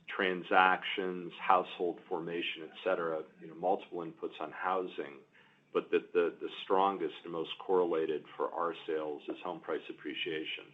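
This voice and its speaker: A man answering questions as a company executive on an earnings call, halting and repeating words as he explains. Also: deep voice. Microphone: conference call line. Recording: muffled narrow-band conference call audio.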